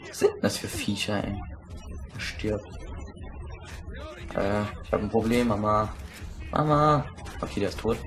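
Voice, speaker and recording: A young man giving crude, excitable commentary while playing a shooter, swearing and shouting at enemies. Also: on the low side, unhurried, long pauses, background noise. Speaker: let's play gamer. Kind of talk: casual gameplay commentary.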